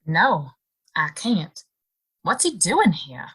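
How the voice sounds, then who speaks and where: Plain-spoken young frontier barmaid, female actor, slow and crisp-edged, guarded, skeptical radio-play delivery. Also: lowish voice, very animated, a bit bright, exaggerated voice. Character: wary, plain-spoken young saloon serving girl. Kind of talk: audio play acting.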